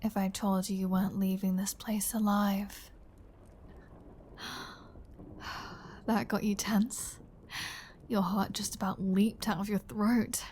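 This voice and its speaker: Casting: flirty vampire huntress of humans woman performer, unhurried, breathy and half-whispered, teasing, in command, ASMR roleplay style. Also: mid-range voice, level tone, darkish tone, a little hiss or hum, close to an everyday voice. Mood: taunting, playful. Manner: teasing, breathy, slow, dominant. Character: flirty, predatory female vampire toying with a hunter. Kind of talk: intimate ASMR audio roleplay, often whispered.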